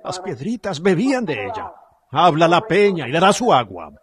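A man's voice: on the high side, wildly swooping pitch, moderate pace. A man preaching a sermon with fervor, calling out directly to the congregation.

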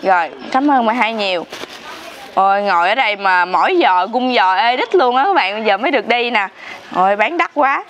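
A woman's voice: mid-range voice, lively intonation, brisk, fairly bright tone. A young woman with a southern Vietnamese accent, chatting in a familiar, exclamatory way as a street vendor and vlogger. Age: young adult. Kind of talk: casual chat with customers and viewers. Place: open roadside yard outdoors. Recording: outdoor street noise behind voice.

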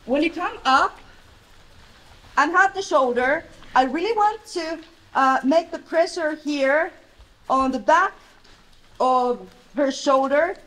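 A woman in her thirties with a Finnish accent runs a hands-on jiu-jitsu class. Her voice sits high and she talks slowly, stopping often. She speaks loudly and plainly, recorded by a distant camera in a large, bright training hall. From Finland. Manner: loud voice, plain halting instruction. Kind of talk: live technique demonstration.

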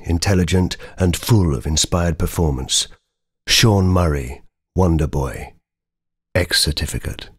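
A man who works as a voice-over actor, reading scripted ads, verse and prose in a polished, theatrical way. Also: sits low. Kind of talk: voice-over demo reel of ads, poems and dramatic readings.

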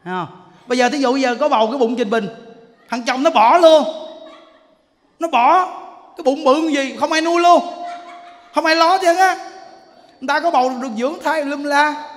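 A man, a Buddhist monk preaching and telling stories in an animated way. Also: very high voice, a little fast, long pauses. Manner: animated storytelling, acts out people he quotes. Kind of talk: sermon. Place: temple hall. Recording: long hall reverb, faint ambience.

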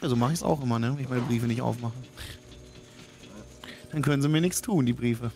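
A man from northern Germany, speaking at medium pitch with a dark tone and a fairly quick pace, over faint background music. He's a co-host on a gaming let's play, offering casual, colloquial commentary as a teasing backseat advisor who often repeats himself.

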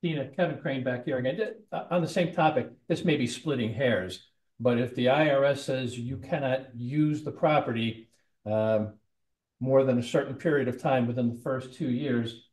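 A man's voice: medium pitch, moderate pace, a little mellow. Older man, distant in an echoey room. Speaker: audience member asking a question. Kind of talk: casual, joking question. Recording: echoey room, far from mic.

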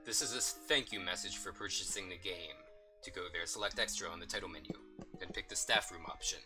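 A young man with a hoarse voice, casually chatting and reading on-screen text aloud while streaming a game, thinking aloud with lots of fillers. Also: low-pitched, quick pace, music in the background. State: hoarse, coughing. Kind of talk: casual let's-play commentary.

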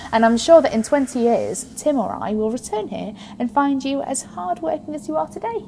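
A brisk, obsessive female scientist in an audio drama. Her voice sits fairly high, with a dry wit and natural delivery. Faint noise lies behind it. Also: big pitch swings, gravelly, dark tone, exaggerated voice. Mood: brisk, affectionate. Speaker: actor.

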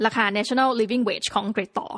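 A woman's voice: a little high, normal speed, no room sound. Chatty woman with a dry close sound. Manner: chatty and playful, with lively exclamations. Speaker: podcast host. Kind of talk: casual solo podcast talk.

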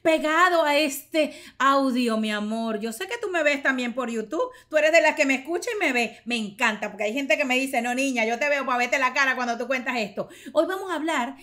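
A lively woman in her forties, high-pitched and bright, spins a casual story into a studio mic. She laughs often and talks with her hands the whole time. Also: fairly quick, hardly any pauses. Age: 40s. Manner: animated, laughing, gesturing with both hands. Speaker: podcast host. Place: small studio with purple backdrop. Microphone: studio microphone with headphones.

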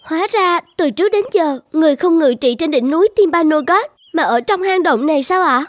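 A woman playing a devout, self-sacrificing young tribal maiden in an animated folktale, earnest and reverent. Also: extremely high pitch, brisk, dry recording. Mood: humble wonder. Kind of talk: dubbed animated folktale acting.

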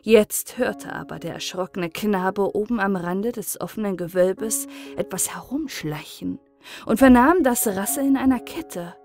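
A woman narrating a fairy-tale audiobook in a calm, measured bedtime reading. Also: mid-range voice. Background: soft background music.

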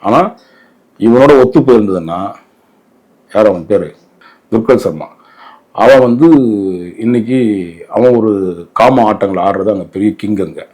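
A man's voice: lowish voice, unhurried, pauses often, darkish tone, slightly rough, rough recording. A man with a Tamil Nadu accent giving opinionated interview commentary in an emphatic, indignant way, often posing rhetorical questions.

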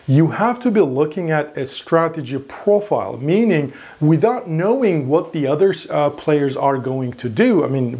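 A man in his forties lectures in front of a whiteboard, his voice sitting a little high for a man. He explains patiently, stumbling and restarting words as he thinks, and keeps checking in with his listeners. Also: a little mellow. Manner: explanatory, repeats words while thinking, frequent "all right?" checks.

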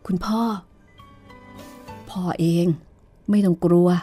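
A woman voicing a man who fakes a father's ghost in a slow, deep voice, coughing as he goes. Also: steady tone, dark tone, soft background music. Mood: solemn.

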